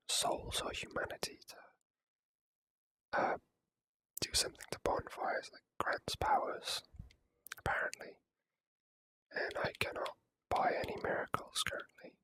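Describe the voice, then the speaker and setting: Whispering ASMR gamer, very close and soft. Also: rough recording. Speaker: video game streamer. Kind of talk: whispered ASMR gameplay commentary.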